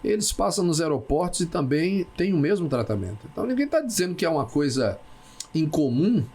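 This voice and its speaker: Gravelly husky man, halting speech. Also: a little high, big pitch swings, a little mellow. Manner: halting, repeats words while searching for them. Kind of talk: casual talk show conversation.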